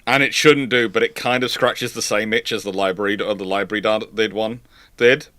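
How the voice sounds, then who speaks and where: A naval historian chats on a casual livestream and responds to viewer questions, rambling as he goes and often restating his words. His voice sits on the low side, steady and fairly bright, at normal speed, with no echo.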